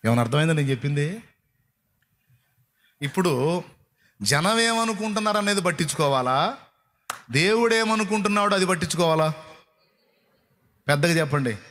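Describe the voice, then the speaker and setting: A pastor preaching to his congregation in a colloquial, emphatic style, firing off repeated rhetorical questions and scolding gently. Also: a little high, lively intonation, normal speed, pauses often. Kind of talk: sermon to a congregation.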